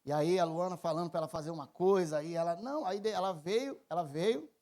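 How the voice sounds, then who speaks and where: A man in his thirties, a Brazilian pastor preaching a sermon, shifting from quiet personal storytelling to loud emphatic appeals. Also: high voice, a little fast. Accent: Brazilian Portuguese.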